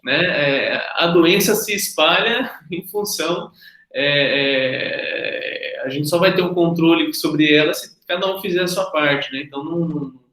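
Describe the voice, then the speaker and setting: A Brazilian man with a somewhat high voice moderates a discussion from an echoing room. He speaks reflectively in academic phrases, punctuated by little tag words. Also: unhurried, pushed and bright. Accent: Brazilian Portuguese. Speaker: moderator of an online class. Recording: roomy, echoing online call.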